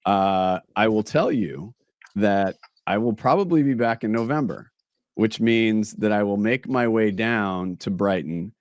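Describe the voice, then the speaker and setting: Male host, slightly raspy, loose and friendly-paced chat, dry close mic. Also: lowish voice, unhurried, no echo. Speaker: podcast host. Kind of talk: casual interview chat.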